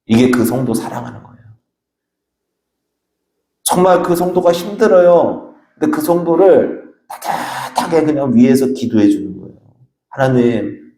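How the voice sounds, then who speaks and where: A man's voice: medium pitch, creaky, warm tone. Emphatic male pastor in an echoey church. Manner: emphatic, exhorting, tells folksy anecdotes. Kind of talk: sermon. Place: church sanctuary.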